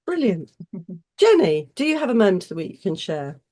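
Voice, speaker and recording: A woman hosts an informal online session with a husky, slightly cold-worn voice. She is chatty and effusive as she welcomes and introduces people, at an ordinary middling pitch. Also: big pitch swings, normal speed, mellow. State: getting over a cold. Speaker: host chairing an online webinar.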